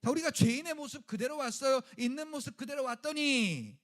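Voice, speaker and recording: A man's voice: expressive, a little fast. A male pastor preaching a sermon in a colloquial, dramatic way, acting out quoted lines and joking with the congregation. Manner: dramatic, acts out quoted lines with swings in pitch and loudness.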